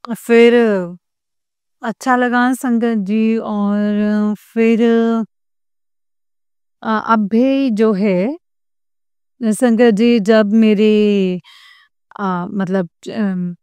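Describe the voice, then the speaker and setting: An older woman giving a devotional personal testimony. She speaks haltingly, pausing often and respectfully addressing the congregation, and sounds weak after a fever. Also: mid-range voice, steady tone, darkish tone, clear, resonant tone, no echo.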